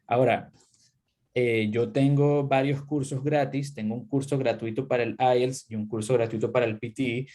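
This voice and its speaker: A young adult man, an English teacher, giving casual conversational advice in an interview, with frequent fillers. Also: medium pitch. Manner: relaxed, conversational, uses many fillers.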